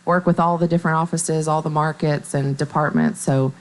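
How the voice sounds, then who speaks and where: Woman from tennessee, 30s, low voice, chatty but steady with some ums. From Middle Tennessee. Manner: measured, upbeat, with fillers. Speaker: bank marketing staff, guest. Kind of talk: radio interview.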